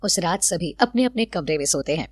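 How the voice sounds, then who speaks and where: A woman narrating a family story for a cartoon in a steady storytelling manner. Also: fairly low pitch, fairly quick, husky, no echo.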